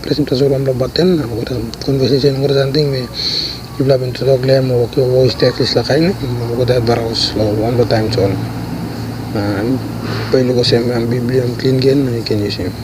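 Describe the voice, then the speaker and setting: A man's voice: mid-range voice, moderate pace. Papua New Guinean man talking pidgin, noisy recording. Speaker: tech tutorial host. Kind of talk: casual step-by-step phone tutorial. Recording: loud steady background noise.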